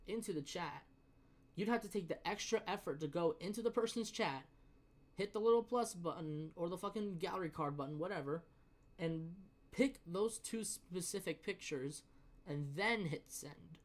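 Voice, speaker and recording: A man's voice: high voice, expressive. Young man in an exasperated, sweary rant. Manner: profane, exasperated, emphatic, halting with repeated words. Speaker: storyteller. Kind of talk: casual ranting storytelling.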